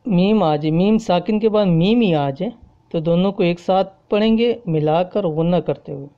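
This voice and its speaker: A woman's voice: on the low side, highs cut off. A woman teaching Quran recitation rules. She explains patiently, repeats each point, and asks "okay?" to check that her students follow. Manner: recites the Arabic examples slowly and drawn out. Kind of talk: explanatory tajweed lesson.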